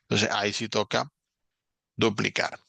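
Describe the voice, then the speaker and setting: Gravelly man explaining a grammar lesson. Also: fairly low pitch, flat delivery, bright, forceful tone, dry recording. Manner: explains slowly, repeats examples, checks in with "¿ok?". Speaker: English teacher.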